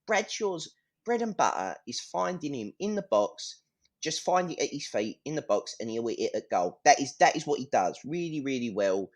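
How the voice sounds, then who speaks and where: A man's voice: mid-range voice, sing-song, normal speed. A man talking football as a fan on a podcast, blunt and full of swearing, in a ranting casual style.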